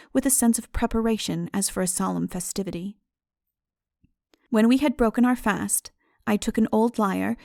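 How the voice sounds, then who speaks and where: Female narrator for classic fiction: measured, formal delivery, middle-pitched voice with gravelly fry, very dry sound. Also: darkish tone, no room sound. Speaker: audiobook narrator. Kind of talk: dramatic literary audiobook reading.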